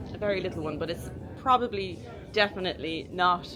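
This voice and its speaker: A woman with a fairly low pitch and a North Dublin accent, talking at a fairly quick pace over noticeable background noise. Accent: North Dublin Irish. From North Dublin, Ireland. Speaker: English teacher. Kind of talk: casual conversation.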